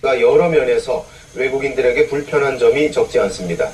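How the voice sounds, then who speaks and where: A man's voice: mid-range voice, a little fast, darkish tone. A man reading a scripted news introduction as an anchor. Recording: distant TV playback, faint noise.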